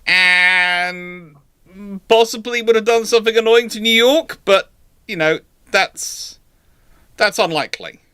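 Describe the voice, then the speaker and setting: A man's voice: high voice, slow, bright, forceful tone, clear, resonant tone, dry recording, clean studio sound. A man hosting a live question-and-answer session, speaking unscripted in a rambling, self-correcting way as he thinks aloud.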